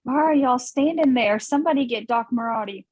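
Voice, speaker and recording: Husky, distraught woman acted by a woman. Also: sits high, fairly quick, a little mellow. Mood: anguished. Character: distraught, loving young woman.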